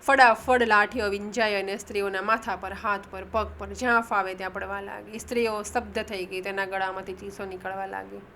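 A woman narrating an audiobook, lifting her voice for the characters' shouted lines and correcting her own slips as she goes. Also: mid-range voice, little pitch movement, brisk, hardly any pauses, a little hiss or hum. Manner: reads dialogue with raised emphasis, corrects own slips. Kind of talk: audiobook reading.

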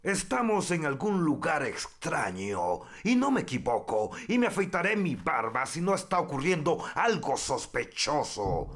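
An actor with a Latin American accent playing a blustering, treasure-obsessed pirate captain in a theatrical cartoon style. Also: male voice, on the high side, sing-song, measured pace, hardly any pauses, fairly bright tone. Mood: hearty. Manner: theatrical, exclamatory pirate talk. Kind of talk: animated cartoon dub. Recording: music behind the voice.

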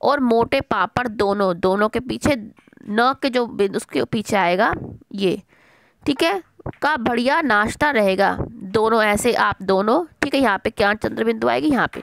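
A middle-aged woman teaches children a language lesson, slow and patient, often repeating herself and answering her own questions. Her voice sits fairly high but has a gravelly edge. The sound is dry and close, with no room around it. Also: expressive, fairly bright tone, dry recording. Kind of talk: online Hindi lesson for children.

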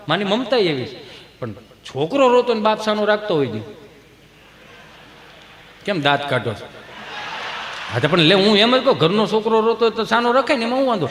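A man performing live comic storytelling on stage, animated and slipping into squeaky voices for the people in his jokes. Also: slight background noise. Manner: animated, acts out quoted voices with high falsetto squeals. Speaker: stand-up comedian. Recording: echoey hall with faint crowd ambience.

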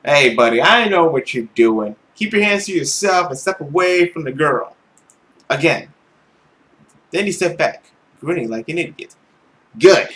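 Animated young man reading a game aloud. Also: fairly high pitch, unhurried. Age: young adult. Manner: playful, exclamatory. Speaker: let's play host. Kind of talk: reading a visual novel aloud with reactions.

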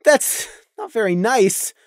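A woman's voice: fairly high pitch, very animated, slow pace, darkish tone, no room sound, studio quality, voice pushed up. A woman voicing a timid, well-meaning pony in an audio story, hesitant and weakly placating. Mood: weak protest.

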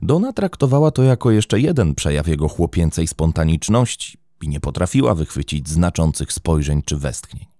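A man's voice: sing-song, normal speed, hardly any pauses, mellow, no echo. A man narrating a scripted true-crime story in a dramatic storytelling manner, close to the mic in a studio. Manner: dramatic storytelling, wide pitch swings.

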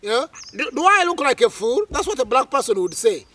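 As a guest in an interview, a middle-aged man from Uganda dramatically relates the story of his life, full of fillers and animation. He speaks fairly fast in an extremely high pitch. A lapel mic records him outdoors beneath a tree.

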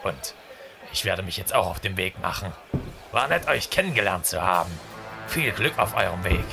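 A man's voice: sits low, expressive, normal speed, gravelly, music in the background. A man playing a friendly, plain-spoken fellow traveller in an audio drama. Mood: matter-of-fact. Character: friendly adult male fellow train traveller.

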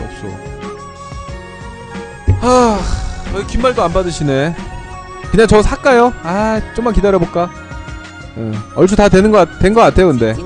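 A man's voice: sits high, a little mellow. A young man streaming an online game, chatting casually with his viewers while he trades and sets up gear.

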